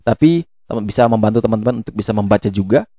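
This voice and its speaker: Mellow-voiced man explaining casually, haltingly. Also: on the low side, animated, no room sound. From Indonesia. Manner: halting, with frequent hesitations and self-corrections. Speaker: YouTube host explaining crypto tokens. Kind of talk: casual explainer, walking through a web page.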